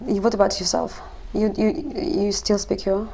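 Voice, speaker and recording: A woman from Kazakhstan, speaking English as an in a halting, explanatory way in a casual discussion. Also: mid-range voice, flat delivery, mellow, low-quality recording. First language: not English. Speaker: language coach and linguist.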